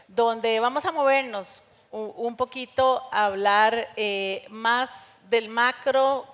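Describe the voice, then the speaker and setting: Woman moderating a panel, bit high voice, lots of ehs and restarts. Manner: hesitant, many fillers and restarts. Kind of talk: moderating a live panel discussion. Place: conference stage.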